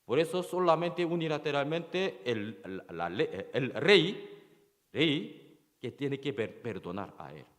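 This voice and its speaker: Male pastor giving a sermon in a church; slow, halting delivery with a lively, up-and-down pitch. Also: in a large hall. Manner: halting, with frequent rhetorical questions to the congregation; repeats key phrases for emphasis.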